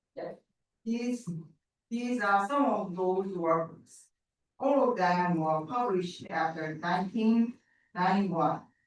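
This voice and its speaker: Very slow speech from a woman at a medium pitch, pitch varying in an ordinary way. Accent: Korean. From South Korea, Busan. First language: Korean. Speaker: literature researcher. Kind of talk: academic presentation.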